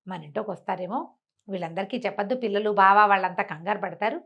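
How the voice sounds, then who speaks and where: A woman's voice: fast talker, gravelly, slightly rough, muffled recording. An older woman telling a village folk tale, slipping into the characters' voices as she goes. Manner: acts out characters' lines with lively pitch swings. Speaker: storyteller. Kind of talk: animated folk-tale narration.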